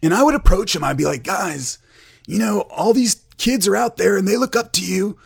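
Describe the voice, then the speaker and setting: A man playing an earnest, prudish Christian metal singer with a gravelly voice, rambling and oversharing in an improvised comedy interview. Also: high-pitched, expressive, normal speed, full character voice. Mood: wounded, indignant. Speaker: comedy podcast guest in character.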